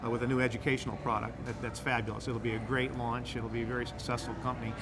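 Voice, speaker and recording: A man's voice: medium pitch, level tone, very fast. A man from the Midwest, a guest on a podcast, explaining at length in a rambling, enthusiastic way with frequent restarts. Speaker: guest, incubator director. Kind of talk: casual podcast interview.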